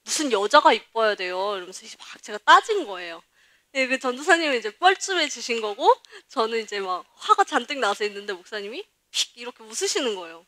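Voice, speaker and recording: A young woman junior pastor preaching a personal testimony in a candid storytelling way, acting out the voices she quotes. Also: on the high side. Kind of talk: testimony sermon.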